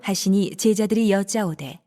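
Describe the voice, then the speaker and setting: A woman narrating scripture in a steady, measured reading. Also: medium pitch.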